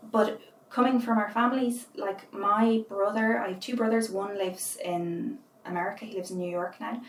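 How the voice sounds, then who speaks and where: A woman in her thirties with an Irish accent, a guest chatting casually in an interview and telling lively stories. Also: medium pitch, roomy sound, recorded from a distance, slight background noise, poor audio. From Ireland. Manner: chatty, animated storyteller.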